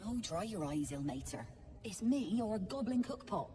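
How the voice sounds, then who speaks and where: An actress playing a shrewd, breezy, sardonic black-market trader in a video game, sly and flippant. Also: female voice, mid-range voice, big pitch swings, normal speed, warm tone, close to an everyday voice.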